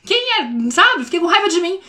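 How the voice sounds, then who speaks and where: A woman's voice: extremely high pitch, very animated, normal speed, pushed and bright. A woman in her thirties, a parenting educator hosting a live stream, talking casually and expressively and often turning to her viewers.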